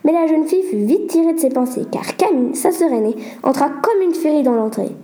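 A woman's voice: high voice, animated, fairly quick, mellow, roomy sound. A woman reading a children's story aloud in a plain, earnest way, with small stumbles. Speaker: reader.

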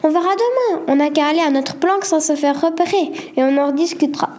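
A woman's voice: high-pitched, darkish tone, a little hiss or hum, pitched above the performer's own voice, close to an everyday voice. A woman reading aloud voices a cautious, hot-tempered eleven-year-old boy. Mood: stubborn. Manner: worried, quick to anger.

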